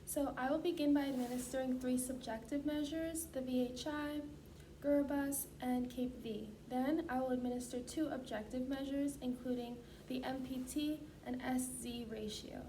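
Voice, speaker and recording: A woman with a high, mellow voice gives a clinical assessment in a formal, step-by-step way. She sounds some distance from the microphone, with background noise around her. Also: fairly even intonation, normal speed. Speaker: student speech clinician giving a voice assessment. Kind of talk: scripted clinical demonstration.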